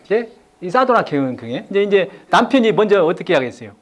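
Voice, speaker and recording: A man's voice: sits high, fast talker, crowd noise. A man giving an interactive lecture on marriage communication to a live audience. He coaxes them to take part, acts out what husbands and wives might say, and chuckles often. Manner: animated, coaxing the audience, acting out couple dialogues, chuckling often.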